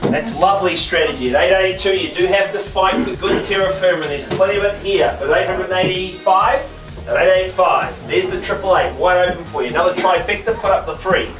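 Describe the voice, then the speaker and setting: A middle-aged New Zealand man runs a house auction with brisk, wisecracking patter, his voice sitting a touch high. He is picked up from across an echoey, crowded room rather than close to a mic. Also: far from the mic, music in the background. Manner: quick joking banter, rhythmic bid calling. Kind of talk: live property auction patter. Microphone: far camera, no mic.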